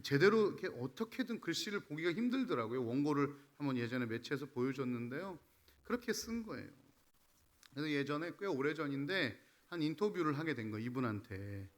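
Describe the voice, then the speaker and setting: A man's voice: fairly high pitch, very animated, a little fast. A man, a pastor, preaching a sermon in a conversational style that rises to emphatic exhortation.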